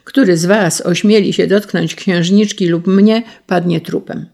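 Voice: medium pitch, steady tone, unhurried, gravelly, darkish tone. A reader doing a defiant young officer. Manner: firm, defiant. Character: bold young male officer, defiant lover.

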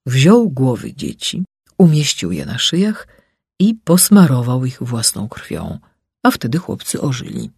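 A man narrating a fairy tale in an expressive, rising and falling way, with a husky voice. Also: mid-range voice, unhurried, dry recording, clean studio sound. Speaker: storyteller.

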